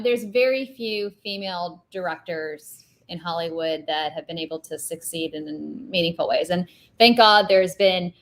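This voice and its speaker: A woman film director with a light, higher-pitched voice, speaking earnestly and reflectively as an interview guest. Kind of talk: conversational interview.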